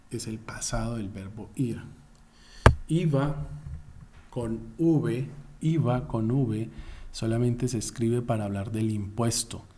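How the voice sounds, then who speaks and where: A man's voice: fairly low pitch, darkish tone. A man teaching a Spanish class, explaining spelling rules emphatically and spelling words out letter by letter.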